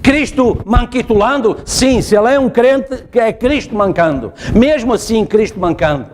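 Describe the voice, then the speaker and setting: High-voiced European Portuguese preacher. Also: male voice, lively intonation, normal speed, a little mellow. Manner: emphatic, repeats phrases, asks the congregation "está a ver?". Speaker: pastor. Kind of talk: sermon. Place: church.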